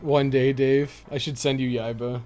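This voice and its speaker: A man's voice: mid-range voice, level tone, normal speed, darkish tone, faint music behind. A Canadian man chatting casually and irreverently on a video game live stream, rambling and swearing freely.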